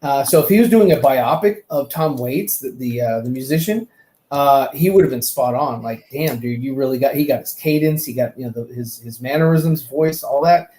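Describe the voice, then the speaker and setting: A man's voice: mid-range voice, moderate pace, warm tone. A man chatting casually and giving opinions on films, rambling and often repeating his words. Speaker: panelist on a fan talk show. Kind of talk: casual opinionated film chat. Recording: echoey room.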